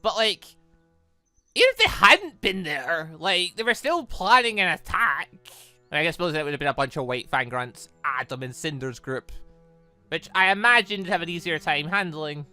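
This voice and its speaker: Animated, bright-voiced man doing gaming commentary. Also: a little high, normal speed, clear, resonant tone, no room sound, faint music behind. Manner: stammering, breaking off to comment. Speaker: gaming channel host. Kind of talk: let's play commentary, reading visual novel dialogue aloud and reacting.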